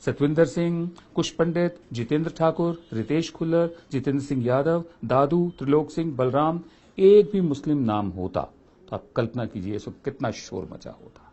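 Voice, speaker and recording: A man's voice: fairly high pitch, expressive, normal speed, dark tone, dull audio. A man giving a spoken commentary, impassioned and full of rhetorical questions.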